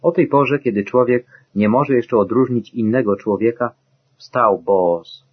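Man reading a bible story, steady and measured, husky voice, dull lo-fi sound. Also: medium pitch. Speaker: narrator. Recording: dull lo-fi recording.

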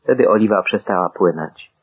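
A man reads scripture aloud in a husky, low voice. His delivery is measured and solemn. The sound is thin and tinny, like a radio broadcast. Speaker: Bible reader. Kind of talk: scripture reading.

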